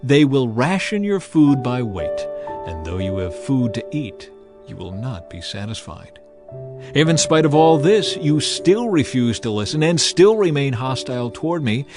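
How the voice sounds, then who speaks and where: A man playing a stern, authoritative God in a dramatized scripture reading, speaking in a solemn, commanding, deliberate way. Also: mid-range voice, lightly acted. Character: God of the Bible, stern, authoritative male lawgiver.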